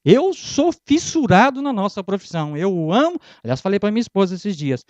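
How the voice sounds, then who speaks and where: A middle-aged man giving a humorous motivational lecture, telling anecdotes and acting out the dialogue as an animated storyteller. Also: high voice, a little fast, dry recording. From Brazil. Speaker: guest lecturer. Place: lecture hall. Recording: dull lo-fi dry lecture recording.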